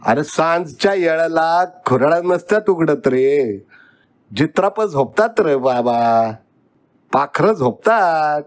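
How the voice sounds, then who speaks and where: A man's voice: on the high side, expressive, slow. A man voicing a poor older village father who speaks in a rustic, coaxing way.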